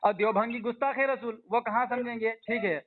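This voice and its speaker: A man's voice: extremely high pitch, steady tone, fairly quick. A man leading a heated religious debate, pressing his opponent with repeated questions and interruptions. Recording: tinny phone-line audio.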